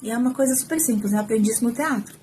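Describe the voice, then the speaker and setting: Racing along in a slightly high voice, the Brazilian-Portuguese-accented former TV reporter delivers a talkative, animated tutorial to her front-facing phone camera inside her home, gesturing as she goes. Some slight background noise can be heard.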